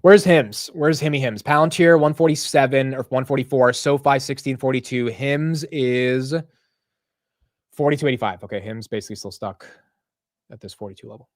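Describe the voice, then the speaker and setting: Young American male host, mid pitch, loose ranting livestream delivery, dry close mic. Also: normal speed, no room sound. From United States. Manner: animated, ranting, profane and self-mocking. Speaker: livestream market show host. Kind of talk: casual livestream chat.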